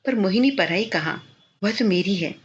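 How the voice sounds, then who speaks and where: A woman's voice: mid-range voice, lively intonation, normal speed, natural voice. A woman voices a lovesick young student tormented by remorse, his words turned inward in anguished pleading. The voice sits at a middle height, and the storybook recording sounds a little muffled with a faint hiss. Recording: slightly dull lo-fi recording.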